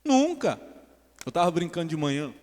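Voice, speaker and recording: Animated Brazilian pastor preaching in a hall. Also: male voice, a little high, normal speed. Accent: Brazilian Portuguese. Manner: animated, joking asides then earnest preaching. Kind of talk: sermon. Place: church hall.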